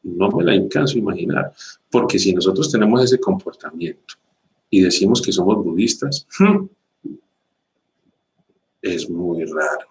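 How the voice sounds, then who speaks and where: A man with a fairly low voice delivers a spiritual teaching, speaking emphatically and rhetorically as he piles up repeated phrases. When he leads a meditation, he becomes slow and calm. The recording is rough.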